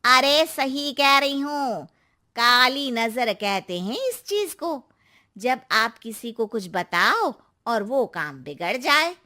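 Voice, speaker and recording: A woman's voice: fairly high pitch, animated, takes it slowly, sharp tone, heavily acted. A woman voicing a superstitious older neighbor aunty who gives knowing warnings in a storybook cartoon. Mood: cautioning.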